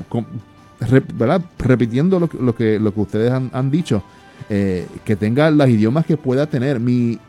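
A male radio co-host talks in a mellow, dark voice, often pausing and restarting. Soft music sits faintly underneath. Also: medium pitch. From United States. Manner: hesitant, many restarts and fillers. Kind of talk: casual talk radio.

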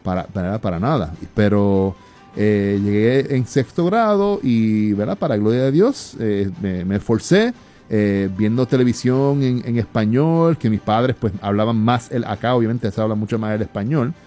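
A male radio co-host talks in a mellow, dark voice, often pausing and restarting. Soft music sits faintly underneath. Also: on the low side, lively intonation. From United States. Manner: hesitant, many restarts and fillers. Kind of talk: casual talk radio.

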